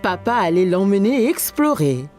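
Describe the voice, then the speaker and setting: A woman playing a kindly narrator, telling a children's cartoon story in a gentle, expressive way. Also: medium pitch, normal speed, soft background music, lightly acted. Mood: gentle storytelling.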